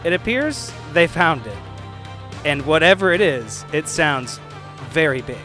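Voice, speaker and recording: Male podcast host, lively swooping delivery, scripted intro with music underneath. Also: on the high side, measured pace.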